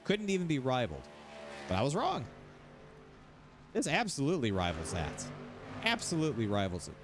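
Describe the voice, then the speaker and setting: A man's voice: mid-range voice, huge pitch swings, normal speed, music in the background. A man streaming sim racing, ranting casually, rambling and repeating himself, swearing freely. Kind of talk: casual livestream rant.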